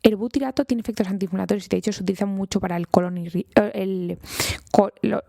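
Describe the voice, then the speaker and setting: A woman doctor with a Spain Spanish accent hosts an informal health podcast. Her voice has a gravelly edge and a mellow, dark tone, and the sound is dry and close. She talks in an eager, chatty way, speaking straight to her listeners. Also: mid-range voice, steady tone, quick pace, no room sound. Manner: enthusiastic and chatty, addresses listeners directly. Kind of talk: informal educational podcast talk.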